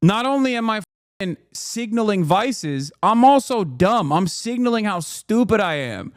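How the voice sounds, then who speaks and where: Man, stream host, reaction commentary, sarcastic, swears a lot, high-pitched, dry close mic. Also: measured pace, no room sound. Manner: sarcastic, profane and animated. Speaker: livestream host.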